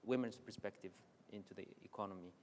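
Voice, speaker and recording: A man speaking on a panel, measured and hesitant with many fillers, in a conference hall. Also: on the low side. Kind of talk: panel discussion.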